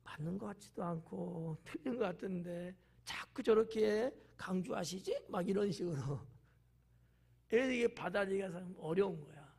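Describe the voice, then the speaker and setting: A man's voice: high-pitched, moderate pace, gravelly, darkish tone, breathy edge. A male pastor giving a conversational sermon, explaining the passage and asking the congregation questions. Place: church.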